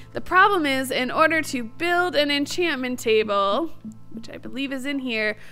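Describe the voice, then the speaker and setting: Woman, high-pitched, crisp clear voice, bubbly, chatty gaming commentary, light music behind. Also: a bit bright. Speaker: host of a gaming series. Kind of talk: casual let's-play commentary.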